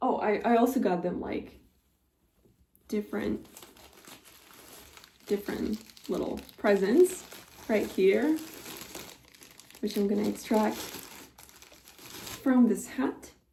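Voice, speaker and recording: Speaking very slowly with long, frequent pauses, a woman uses lively intonation at a fairly high pitch. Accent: non-native. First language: not English. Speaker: lifestyle vlogger. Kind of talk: casual vlog talk to camera. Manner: casual, hesitant with fillers and repetitions.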